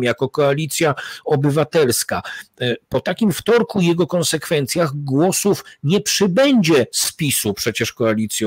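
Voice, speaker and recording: A man's voice: a little high, breathy edge, dry recording. A man in his forties hosting a political talk show from home, chatty, with many fillers and restarts, into a desk mic. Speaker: host. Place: home room, indoors. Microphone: studio mic on desk, webcam.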